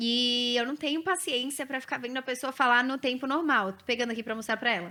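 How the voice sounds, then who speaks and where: A very clean recording with a silent background captures a woman's voice. She speaks at a high pitch in a bright, sharp tone with ordinary pitch variation. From São Paulo state, Brazil (São Bernardo). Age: 20s. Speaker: pedagogue. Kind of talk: podcast interview. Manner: fast; animated.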